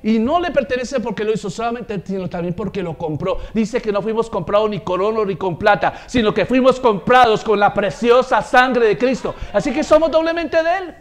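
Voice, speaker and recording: A man preaching a sermon, telling stories and acting out the voices in them, growing loud on his points of praise. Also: sits high, a little fast, hardly any pauses. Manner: animated storytelling, acts out quoted voices, swells loud on praise. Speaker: pastor.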